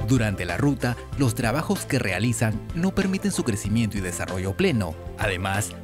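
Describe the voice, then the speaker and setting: Male video narrator, measured formal scripted read, lively intonation, music under it. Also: medium pitch.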